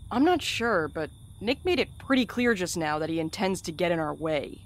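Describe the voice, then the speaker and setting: An actress playing a defiant, sarcastic, blunt courier in an audio drama, talking in a casual way. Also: female voice, lowish voice, animated, moderate pace. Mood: wry, casual.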